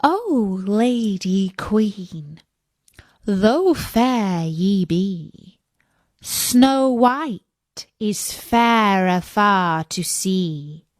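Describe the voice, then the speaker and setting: A woman voicing a magic mirror that answers in a slow, measured chant. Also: mid-range voice, expressive, dry recording. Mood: solemn. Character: solemn magic mirror, ageless oracle.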